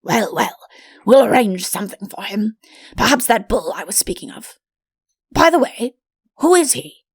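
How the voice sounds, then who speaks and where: A woman's voice: mid-range voice, sing-song, normal speed, long pauses, breathy edge, no room sound, clean studio sound. A woman voicing a middle-aged fairy-tale king in an audiobook, a doting father who blusters and rambles self-importantly. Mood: eager, bustling. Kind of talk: audiobook character voice.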